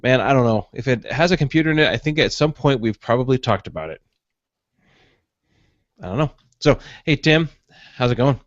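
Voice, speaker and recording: A man's voice: mid-range voice, lively intonation, fairly quick, long pauses, dry recording. Chatty male podcast host. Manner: chatty, joking, rambling. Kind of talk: casual chat. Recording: dry, slightly dull home recording.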